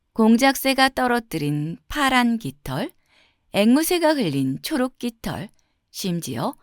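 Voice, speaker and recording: A woman storyteller narrating a children's fairy tale from a script, with expressive, carefully phrased delivery. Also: mid-range voice, no echo, studio quality.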